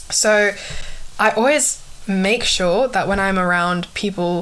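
With an Australian accent, a woman is talking. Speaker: podcast host. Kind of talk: casual chat.

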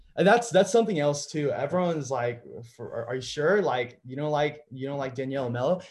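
Fairly quick and somewhat breathy, a man's voice sits fairly high in pitch and carries lively intonation. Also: big swings in loudness. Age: young. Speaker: powerlifter. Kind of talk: casual chat.

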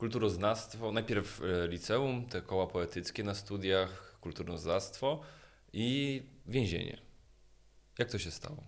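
A man's fairly low voice moves at a very slow pace, with ordinary variation in pitch. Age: 20s. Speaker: podcast interviewer. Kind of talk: casual interview.

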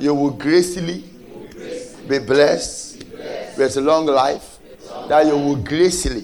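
A man at a fairly slow pace with ordinary pitch variation and long, frequent pauses, against noticeable background noise and audible room echo. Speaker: pastor. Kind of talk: sermon. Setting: church. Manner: animated; repetitive, emphatic.

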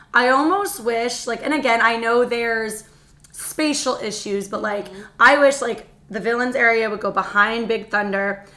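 A woman's bright, sharp voice, fairly high in pitch, at a moderate pace with audible room echo. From US Northeast, South Jersey. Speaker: podcast co-host. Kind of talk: casual chat.

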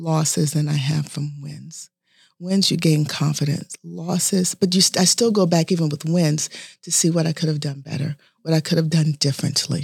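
A woman's very deep, low voice with an American accent, somewhat breathy, with ordinary pitch variation at a moderate pace, on a very clean recording with a silent background and a dry, close sound with no echo. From Boston area, Massachusetts. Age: 50s. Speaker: personal injury lawyer. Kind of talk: casual interview conversation.

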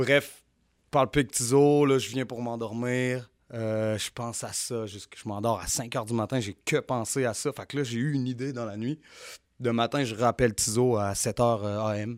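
In a very clean recording with a silent background and a dry, close sound with no echo, a man with an unremarkable speaking voice talks at medium pitch, fairly slowly, with fairly even intonation. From Quebec City. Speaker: rapper. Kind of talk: casual chat. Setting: barbershop.

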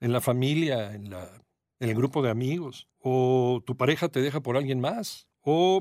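A plain, everyday voice moves at a moderate pace with ordinary pitch variation in a very clean recording with a silent background. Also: man. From Mexico. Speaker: radio news host. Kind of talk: radio interview.

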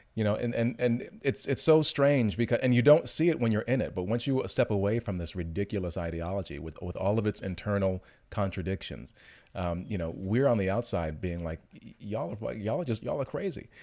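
A man talks at a fairly quick pace in a fairly low voice. His intonation is lively. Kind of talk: casual chat. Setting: video call. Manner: halting.

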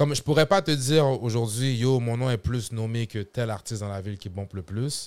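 A man with an unremarkable speaking voice talks at medium pitch with ordinary pitch variation. The recording is very clean, with a silent background. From Montreal, Quebec. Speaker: rapper. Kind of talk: casual chat. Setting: studio.

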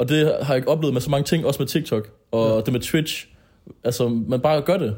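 Somewhat breathy and fairly high-pitched, a man talks at a moderate pace with ordinary pitch variation and very even loudness. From Denmark, North Jutland (Aalborg). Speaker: Twitch streamer. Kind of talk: casual chat. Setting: at his apartment.

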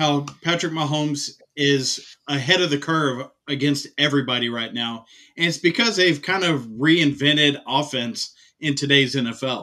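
In an American accent, a man with a fairly high pitch and a bright, sharp tone speaks at a fairly slow pace. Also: ordinary pitch variation. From Texas. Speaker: sports podcast co-host. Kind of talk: casual sports talk.

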